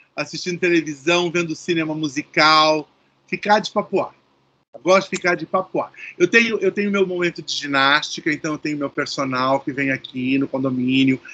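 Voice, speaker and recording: The sound is dry and close with no echo as a man speaks in a bright, sharp tone at a fairly high pitch. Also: ordinary pitch variation, moderate pace. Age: 60s. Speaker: actor and theatre director. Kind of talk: interview.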